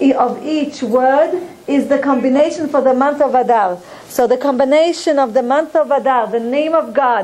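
This woman speaks in a high voice with ordinary pitch variation. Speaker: teacher. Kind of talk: lecture. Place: classroom. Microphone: handheld.

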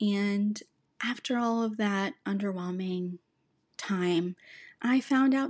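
A woman speaks in a somewhat breathy voice with ordinary pitch variation. The background is quiet. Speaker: listener leaving a voicemail; podcast co-host. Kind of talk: recorded voicemail story. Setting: voicemail recording. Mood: playful, storytelling. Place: studio. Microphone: studio mic.

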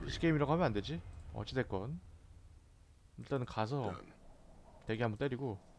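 At a moderate pace and medium pitch, a man speaks with an animated tone, lively intonation, vocal fry, very even loudness and long, frequent pauses. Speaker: game streamer. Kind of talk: casual gameplay commentary. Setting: recorded at home, playing a video game. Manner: talks to himself, informal, animated.

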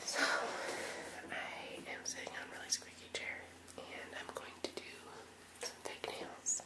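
The woman goes very slowly as loud noise fills the background. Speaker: ASMR creator. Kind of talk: ASMR video.

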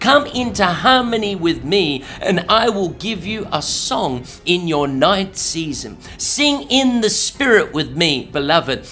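A man's raised, projected voice, high in pitch with very wide swings, very slow, over noticeable background noise. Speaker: pastor. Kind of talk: prophetic utterance and prayer.

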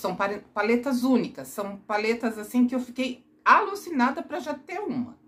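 Her pitch is high. A woman speaks with lively intonation. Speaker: beauty vlogger. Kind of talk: casual vlog chat. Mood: enthusiastic, cheerful. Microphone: phone near.

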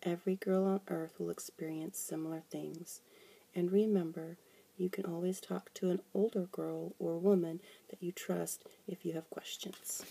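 A soft-spoken woman at a moderate pace with a gentle tone. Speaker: ASMR reader. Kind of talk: ASMR soft-spoken children's book reading. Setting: recorded from inside a blanket fort. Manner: soft-spoken, gentle. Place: home room. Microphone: phone near.

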